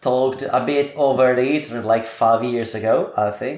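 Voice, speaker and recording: The pitch variation is ordinary. The speaker has an Italian accent. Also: man. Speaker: historical martial arts instructor. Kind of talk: podcast interview. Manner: halting.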